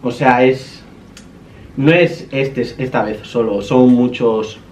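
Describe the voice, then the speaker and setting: A man in his twenties with an accent from Spain, talking casually in a halting, explanatory, businesslike way. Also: mid-range voice, steady tone, darkish tone. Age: 20s. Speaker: YouTuber making a prank call. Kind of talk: casual, hesitant conversation. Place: indoor gaming room at a desk. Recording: dull, distant room sound with noise.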